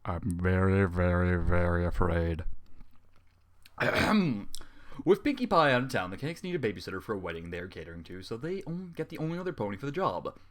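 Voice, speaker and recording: A man's voice: sits low, expressive, a little fast. A man reading a fan story aloud and breaking off into exasperated, swearing comic reactions. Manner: exasperated, swearing outbursts between narration. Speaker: fanfiction reader.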